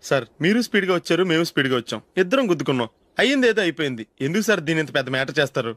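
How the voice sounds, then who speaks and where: A wheedling, pleading driver. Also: male voice, on the high side, big pitch swings, racing, fairly bright tone, dry recording. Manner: wheedling, pleading, keeps saying sir. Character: sly man pleading after a car crash. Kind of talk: film comedy acting.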